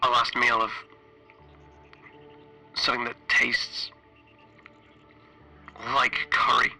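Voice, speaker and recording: Man playing a sharp-voiced, haunted spaceship engineer. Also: mid-range voice, monotone, gravelly, heavily acted. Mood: uneasy, haunted. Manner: halting, hesitant, self-questioning. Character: weary, guilt-ridden flight engineer stranded on derelict spaceship. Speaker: solo tabletop RPG player. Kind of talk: in-character recorded log, horror roleplay. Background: music.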